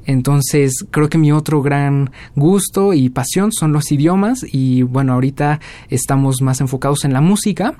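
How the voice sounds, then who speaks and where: A Mexican man in his twenties, a young jazz musician answering interview questions in a relaxed storytelling way with many fillers. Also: a little high, normal speed, few pauses, no echo. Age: 20s. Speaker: guest musician.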